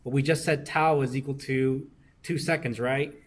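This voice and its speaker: A man's voice: mid-range voice, fairly even intonation, normal speed. A young man working circuit homework problems for a class, often asking "right?" to check that students follow. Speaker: engineering discussion instructor.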